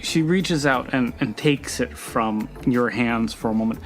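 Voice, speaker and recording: Deliberate male game master over music. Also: mid-range voice. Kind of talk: narrating a tabletop role-playing game.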